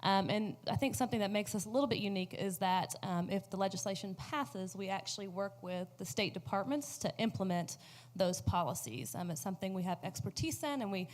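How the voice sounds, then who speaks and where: A woman's voice: mid-range voice, lively intonation, fairly quick. A woman speaking as a panelist on education policy, earnest and explanatory, with many ums. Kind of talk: panel answer.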